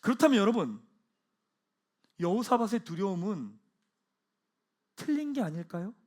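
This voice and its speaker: A man preaching a Sunday sermon as pastor, swinging between loud proclamations and hushed, low asides. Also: sing-song, normal speed. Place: church sanctuary.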